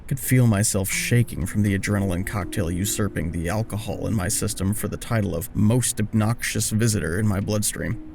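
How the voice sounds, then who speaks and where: A man's voice: lowish voice, a little fast, creaky, background noise. A man narrating a dramatic first-person story in a wry, confessional way.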